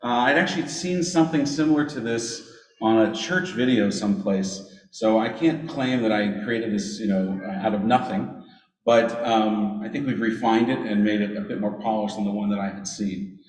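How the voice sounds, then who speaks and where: A man's voice: fairly low pitch, normal speed, darkish tone. A man giving a casual live demonstration in a big echoing hall, picked up by a conference camera microphone. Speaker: guest presenter. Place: large indoor social hall. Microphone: conference camera microphone, away from the mouth. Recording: echoey hall from far off, noisy.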